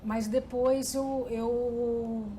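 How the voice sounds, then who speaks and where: A woman's voice: a little high, flat delivery, very slow, mellow, slight background noise. A middle-aged woman, telling her life story in an oral history interview, thoughtful and full of restarts. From Brazil. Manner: reflective, with frequent restarts and fillers.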